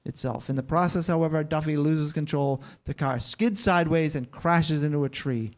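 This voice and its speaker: A man's voice: on the high side, normal speed. A man narrating scripted action as the narrator of a staged comedy screenplay reading.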